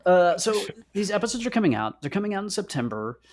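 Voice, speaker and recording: A man chats as co-host of a casual live stream, with very lively swings in pitch. His delivery is enthusiastic and playful, a little halting as he goes. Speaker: podcast co-host.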